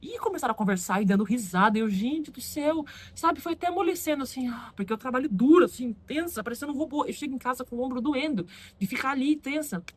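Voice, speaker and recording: A Brazilian woman with a Brazilian Portuguese accent telling a story in a casual vlog, animated and acting out what others said. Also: sits high, fast. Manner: animated, acts out quoted voices. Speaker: vlogger.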